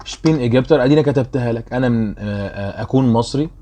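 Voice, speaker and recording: Young man, Egyptian Arabic accent, chatty teacher explaining a worksheet, checks you're following, mid-pitched voice. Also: very fast, mellow. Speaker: German teacher.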